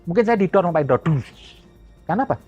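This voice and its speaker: A man's voice: high voice, expressive, fast, darkish tone, breathy edge. A man giving a blunt, mocking opinion monologue on a religious controversy. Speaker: religious commentator. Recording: lo-fi with faint music.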